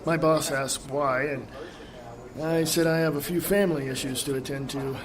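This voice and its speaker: An actor playing a reflective, contented middle-aged family man in a radio theatre monologue, measured and pensive with dramatic pauses. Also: fairly high pitch, fairly even intonation, a crowd in the background, close to an everyday voice. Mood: candid, thoughtful.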